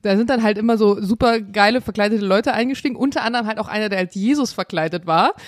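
A woman's voice: mid-range voice, fast talker, dry recording, clean studio sound. A woman co-hosting a podcast, chatting casually and laughing easily. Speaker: podcast co-host. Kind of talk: casual chat.

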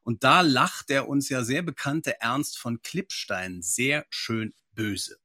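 A man talks as a podcast co-host in a casual, articulate style. His mid-pitched voice is somewhat husky and wanders through long thoughts. The sound is dry and close. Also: animated, takes it slowly, bright, forceful tone, dry recording. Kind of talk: casual conversational audio drama discussion.

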